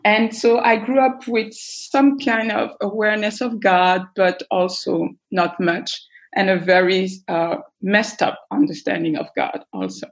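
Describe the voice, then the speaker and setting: Woman from belgium telling her story, earnest, lots of pauses and uhs. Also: medium pitch, steady tone. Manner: earnest, thoughtful, with frequent pauses and fillers. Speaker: interview guest. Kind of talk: casual personal storytelling.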